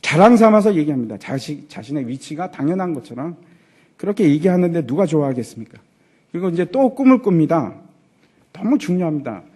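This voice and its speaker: Man, pastor, church sermon, high lively voice, a bit husky, animated delivery with rhetorical questions. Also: fairly quick. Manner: acts out quoted lines in character voices. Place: church sanctuary.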